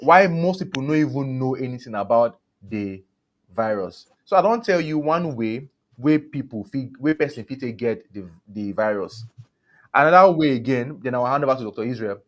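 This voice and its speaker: A man with a West African accent gives a health talk in Pidgin English at a middle pitch. He explains conversationally, repeating words and phrases for emphasis. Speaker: medical doctor and co-host.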